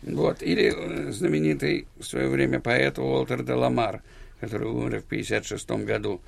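Gravelly man reciting verse haltingly. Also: mid-range voice, fairly even intonation. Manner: hesitant, with many fillers, reads verse slowly. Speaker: author and translator, guest. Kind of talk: radio interview, reciting verse. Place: radio studio.

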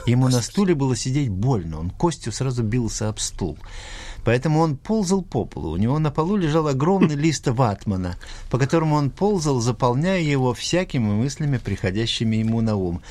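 A man co-hosting a radio talk show, recorded with a dry sound and no room echo. He tells stories and sets up music in a measured, even way. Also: mid-range voice. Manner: measured storytelling. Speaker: radio co-host.

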